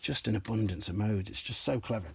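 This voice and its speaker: A slightly hoarse man, an enthusiastic toy collector, casually explaining and demonstrating pieces from his collection step by step, with frequent ums. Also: on the low side, fast, darkish tone, a little hiss or hum. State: slightly hoarse, clears throat.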